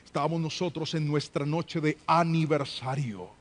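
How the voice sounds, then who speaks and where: A man with a notably high voice preaches to a congregation. He builds repeated rhetorical questions and calls for amens and raised hands, mixing personal stories into the sermon. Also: normal speed. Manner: rhetorical, call-and-response with congregation. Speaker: associate pastor. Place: church before a congregation.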